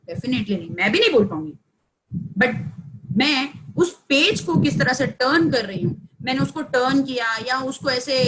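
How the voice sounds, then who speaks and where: A woman's voice: high-pitched, fairly bright tone, rough recording. A woman trainer giving an online training session over a headset, explaining in a conversational way, mixing in English and asking the audience questions. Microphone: headphones on a video call.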